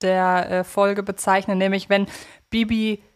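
A woman's voice: medium pitch, level tone, unhurried, smooth. A woman co-hosting a podcast, talking casually and analytically in an articulate, reflective way, thinking aloud as she goes. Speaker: podcast co-host.

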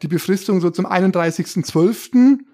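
A man's voice: sits high, moderate pace, mellow. A man from Germany explaining things as a podcast co-host in colloquial, casual talk with everyday examples.

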